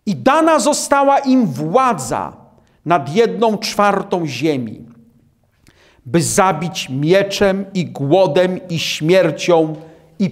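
In a high voice, a man preaches a sermon on scripture, slow and emphatic, letting his voice drop dramatically.

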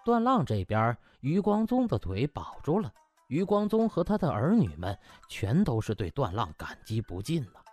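A man narrating a comic story in an animated storytelling style, as an audiobook reader. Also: mid-range voice, moderate pace. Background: background music.

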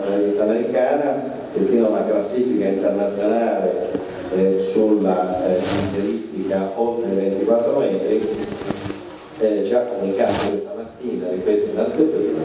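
A man in his forties gives a measured press-conference answer, halting often on filler sounds. His voice is low and dark. It comes from a distance through a handheld mic into a big echoey hall with faint ambient noise. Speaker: trade fair executive at a press conference. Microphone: handheld mic, heard through the room.

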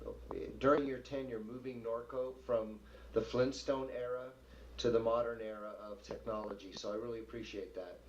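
A man's voice: medium pitch, steady tone, moderate pace. A male official offering thanks and praise at a public meeting. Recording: dull sound, faint background noise.

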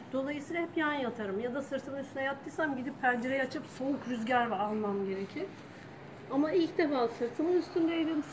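A woman's voice: high-pitched, noisy background. A woman in a seminar eagerly telling a personal story in a rush of words. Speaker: seminar participant. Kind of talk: personal testimony.

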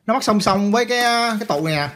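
A man's voice: high voice, expressive, racing. Chatty man, repair tutorial. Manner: chatty, repeats phrases, addresses viewers constantly. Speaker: electronics repair instructor. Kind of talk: casual hands-on repair tutorial.

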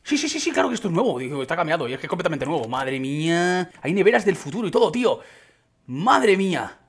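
A young man from Spain with a Spanish accent, giving excited gameplay commentary with frequent exclamations. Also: breathy edge. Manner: excitable, exclaiming, quick shifts in pitch. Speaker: gaming YouTuber.

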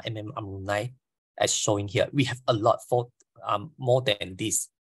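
Malaysian male lecturer, forties, low voice, halting delivery, dry close video-call sound. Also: husky, no echo. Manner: halting, repeats words, non-native grammar. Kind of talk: briefing over a video call.

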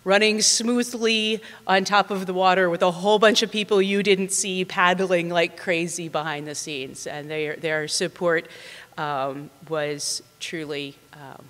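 A woman's voice: fairly low pitch, fairly even intonation, measured pace, a bit bright. A young woman hosting a lecture series, giving an earnest introduction at a podium and sometimes losing her words. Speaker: series organizer and host. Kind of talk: introduction speech. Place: large lecture room with audience. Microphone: podium mic. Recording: long hall reverb.

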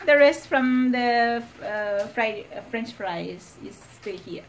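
A woman with a Filipino accent cooking at home for her husband in a casual vlog, talking in halting English mixed with German and Filipino words. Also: fairly high pitch, slight background noise. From Philippines. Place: home kitchen.

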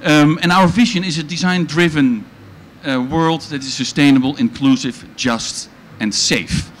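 A man's voice: fairly high pitch, moderate pace, slight background noise. Chatty Dutch man presenting on stage. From Netherlands. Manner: loose and chatty, frequent ums and restarts. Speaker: organization founder presenting at a panel. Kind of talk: conference presentation. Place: event pavilion stage with audience. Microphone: handheld mic.

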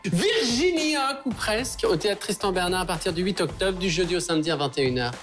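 A man's voice: high voice, very fast, soft background music. A man hosting a comedy talk show, interviewing with a teasing, joking manner. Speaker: host. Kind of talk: casual chat.

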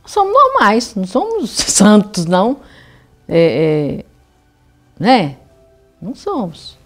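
A woman's voice: medium pitch, sing-song, slow pace, faint music behind. A woman in a documentary interview, speaking candidly with light laughter.

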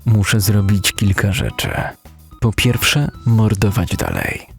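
A man narrating a dark first-person story as a dramatic, brooding audiobook reader. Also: fairly low pitch, wildly swooping pitch, slow, vocal fry, faint music behind. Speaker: narrator (lektor).

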